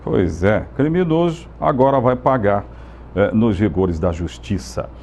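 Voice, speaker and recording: Lively, mellow-voiced Brazilian TV host. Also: male voice, lowish voice, a little slow, a little hiss or hum. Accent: Brazilian Portuguese. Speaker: TV show host. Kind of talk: live TV hosting and interview.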